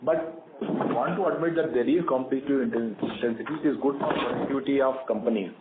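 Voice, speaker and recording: A man with an Indian accent answering investor questions on an earnings call as a company executive, in measured explanations. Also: mid-range voice. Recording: phone-like conference line, echoey, clearly noisy.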